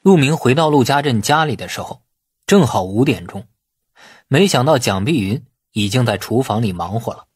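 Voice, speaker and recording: A man's voice: medium pitch, expressive, normal speed, breathy edge, dry recording, studio quality. A man narrating a novel as a scripted dramatic audiobook.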